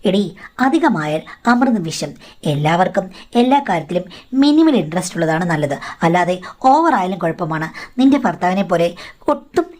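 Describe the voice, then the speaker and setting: A woman's voice: on the low side, very animated, normal speed, a little mellow. A woman voicing a blunt, scolding middle-aged mother who lectures her daughter in a matter-of-fact way.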